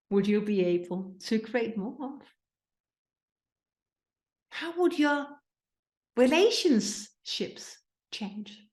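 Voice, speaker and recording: In a reverberant space, a Danish-accented woman from Denmark speaks at medium pitch. She's a mindset coach and host delivering a motivational talk, addressing many questions to her listeners.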